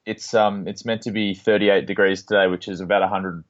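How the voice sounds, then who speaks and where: An Australian man talks as a podcast guest, relaxed and full of ums and restarts. His voice sits fairly low. It comes through a dull, lo-fi line that cuts off the top end. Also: fairly quick. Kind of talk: casual interview talk.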